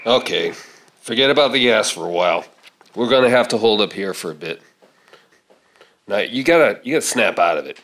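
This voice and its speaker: A middle-aged man on stage playing a gruff, take-charge survivor of a zombie attack in a radio play, with folksy phrasing. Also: on the low side, lively intonation, a little fast, long pauses. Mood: steady, grim. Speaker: stage actor reading a script. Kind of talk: live radio-play acting. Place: theater stage. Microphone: stand microphone. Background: loud music.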